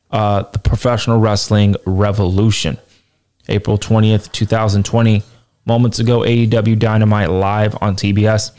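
A man with a hoarse, tired voice reads a wrestling announcement aloud, then gives his opinion with emphatic repetition. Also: lowish voice, darkish tone. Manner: emphatic, repeats points for stress. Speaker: wrestling news commentator.

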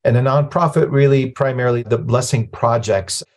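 A man's voice: mid-range voice, normal speed. A man in his fifties from Lebanon, a nonprofit president telling his story as a podcast guest in a plain, matter-of-fact way. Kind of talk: conversational storytelling interview.

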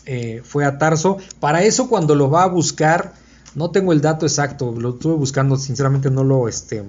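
A man whose voice is fairly high and a little mellow leads a conversational small-group Bible study at a moderate pace. He muses aloud and checks in often to see that everyone is following. The lo-fi recording sounds dull.

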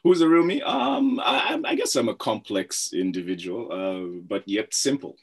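A man's voice: fairly low pitch, big pitch swings, normal speed, husky. A man from Zambia, a guest chatting casually in an interview, often repeating words and laughing easily.

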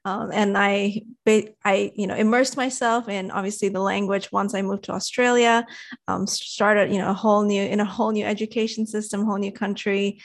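A woman's voice: mid-range voice, level tone, a little fast, gravelly. A woman in her thirties from Indonesia, raised in Sydney, whose first language is Indonesian, speaking as an interview guest over a video call in an articulate, upbeat way. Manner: articulate, upbeat, laughs easily. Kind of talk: casual interview.

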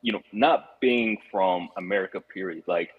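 A man's voice: deep voice, moderate pace, slightly rough. A man from Rwanda, a guest on a podcast, telling his story in a reflective, earnest way with frequent restarts. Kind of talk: casual podcast conversation. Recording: muffled lo-fi audio.

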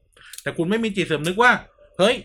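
A man's voice: sits high, lively intonation, brisk, sharp tone, slight background noise. A man co-hosting a podcast in casual chat, blunt and ranting, with crude slang. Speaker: podcast co-host.

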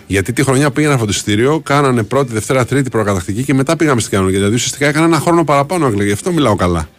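A man's voice: mid-range voice, expressive. A Greek man co-hosting a radio show, riffing on jokes with a dry, wisecracking manner. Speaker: radio co-host. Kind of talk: casual radio banter.

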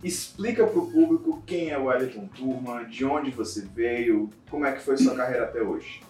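A man, interviewing a fighter in a relaxed, chatty way. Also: medium pitch, normal speed, distant mic. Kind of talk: casual interview. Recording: roomy, off-mic with music behind.

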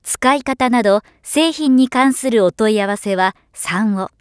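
A woman giving scripted narration as a professional voiceover artist, with a measured, polished delivery. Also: on the high side, clear, resonant tone, no echo, studio quality.

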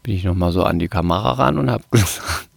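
A man's voice: deep voice, fast talker, creaky, breathy edge, dry recording. A man chatting casually and comedically as a podcast co-host, telling stories in a joking way and repeating words for emphasis. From Palatinate, Germany.

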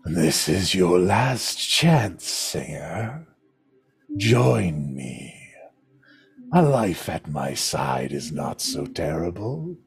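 A game master voicing a menacing, coaxing villain from the abyss in a slow, ominous manner for a tabletop game. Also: low-pitched, sing-song, vocal fry, faint music behind, pitched below the performer's own voice, full character voice. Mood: coldly coaxing.

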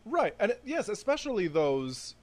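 A woman's voice: mid-range voice, big pitch swings, moderate pace. A young adult woman co-hosting a podcast, chatting casually and telling stories with frequent laughter. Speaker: podcast co-host. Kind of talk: casual chat.

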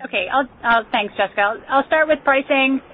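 A woman company executive answering questions on an earnings call in measured corporate language. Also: sits high, faint music behind. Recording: muffled, band-limited conference call audio.

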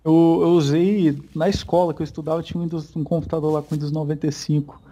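A man's voice: on the high side, fairly even intonation, fast talker, dark tone. A young Brazilian man chatting casually as co-host of a podcast, laid-back and slangy, laughing often.

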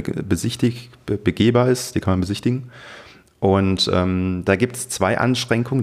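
A man's voice: fairly low pitch, a little mellow. A man co-hosting a podcast in informal, colloquial chat. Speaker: podcast co-host.

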